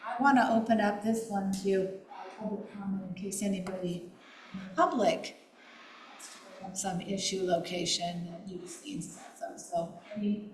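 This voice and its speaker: A woman chairing a committee meeting over a video call. She talks quietly and haltingly, with many fillers. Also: medium pitch. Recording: echoey room, faint noise.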